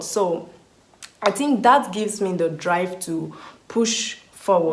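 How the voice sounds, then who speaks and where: A woman's voice: medium pitch, reverberant. A young woman from Nigeria with a Nigerian accent, answering viewer questions in a chatty vlog, often repeating words for stress. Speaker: vlogger. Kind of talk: casual Q&A vlog.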